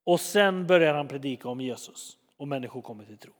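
A man preaching a sermon in a lively, chatty way, retelling stories and acting out scenes. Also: medium pitch, big-room sound. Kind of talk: sermon, storytelling.

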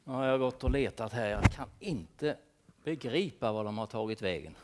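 A man's voice: medium pitch, heavy background noise, natural voice. A man playing a worried shepherd who searches for his lost sheep, speaking with children in a church and asking them to help him look and call out names. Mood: searching, playful. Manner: animated, asks children questions, calls out names. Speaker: children's talk leader. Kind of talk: playful role-play for children.

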